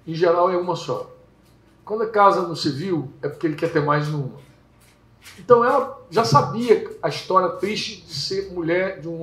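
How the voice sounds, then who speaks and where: A man preaching at a small home gathering, telling stories lively and acting out characters. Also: high-pitched. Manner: lively storytelling, acts out characters. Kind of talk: sermon. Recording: echoey room.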